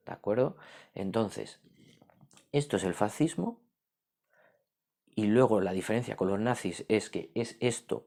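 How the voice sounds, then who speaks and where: A man's voice: lowish voice, warm tone. A middle-aged man, giving a casual history lesson, asking himself questions and checking in with "¿vale?" as he goes. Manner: rhetorical questions with frequent "¿vale?". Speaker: history teacher.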